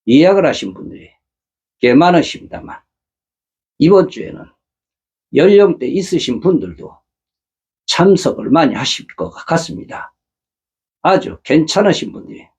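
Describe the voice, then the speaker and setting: Middle-aged guy running a matchmaking channel, husky voice, bouncy pitch, preachy rhetorical questions. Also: darkish tone. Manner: earnest, lecturing with rhetorical questions. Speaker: matchmaking agency host. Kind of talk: casual monologue to viewers.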